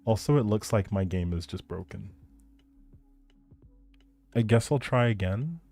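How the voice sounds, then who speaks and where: A man's voice: on the low side, animated, a little slow, creaky, a little mellow. A man chatting casually with viewers as a live game streamer, in a laid-back, informal and reassuring way. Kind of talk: casual livestream chat with viewers.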